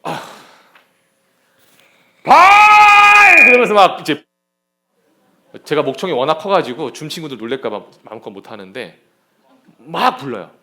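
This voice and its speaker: A young man preaching a lively sermon to young people, telling stories and acting out the scenes. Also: mid-range voice. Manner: animated storytelling, shouts and acts out scenes. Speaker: youth pastor.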